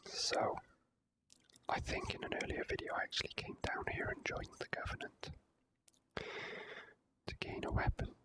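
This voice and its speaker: A person whispering softly in an ASMR style while commentating on a video game, speaking in halting phrases with pauses. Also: rough recording. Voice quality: soft unvoiced whisper. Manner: slow, halting delivery with pauses. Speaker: let's play host.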